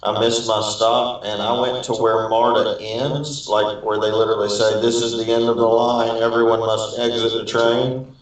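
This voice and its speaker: A man's voice: fairly low pitch, flat delivery, normal speed. A man chatting casually and telling anecdotes, recorded in a very echoey room at a distance from the mic. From Alabama, United States. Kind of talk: casual chat, storytelling.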